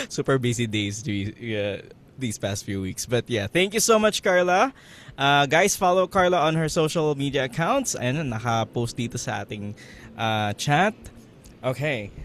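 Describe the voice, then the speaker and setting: A man at medium pitch speaks at a fairly slow pace. His pitch swings very widely. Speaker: event host, voice actor. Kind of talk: closing remarks at online talk event. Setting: online event from home balcony. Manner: halting, many fillers.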